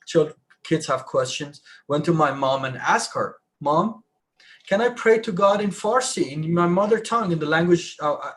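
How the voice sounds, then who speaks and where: Man telling a story in halting restarts. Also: a little high, a bit bright. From Iran. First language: Persian. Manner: halting, many restarts, rising emphasis. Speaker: panelist. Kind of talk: live online discussion.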